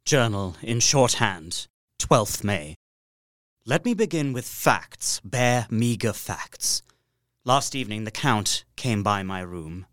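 An actor playing a proper, apprehensive young Victorian gentleman narrating his journal in an audio drama, measured and formal. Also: lowish voice, expressive, no echo, studio quality. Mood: grave, uneasy.

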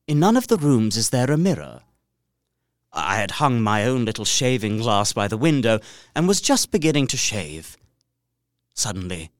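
A man's voice: on the low side, dry recording, studio quality. An actor playing a polite, observant and uneasy young solicitor, narrating his journal earnestly and precisely in a gothic audio drama. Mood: composed, puzzled. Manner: precise, earnest, theatrical storytelling.

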